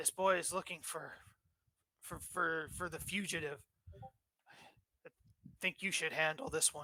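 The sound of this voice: This is a raspy, put-on character voice. It moves at a moderate pace with long, frequent pauses. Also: man, fairly high pitch for a man.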